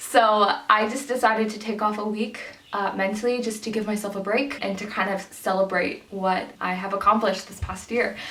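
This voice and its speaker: Over noticeable background noise and audible room echo, a woman with a fairly high pitch speaks at a moderate pace in a flat monotone, with big swings in loudness and hardly any pauses. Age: 20s. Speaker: lifestyle vlogger. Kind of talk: casual vlog talk. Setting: bedroom at home.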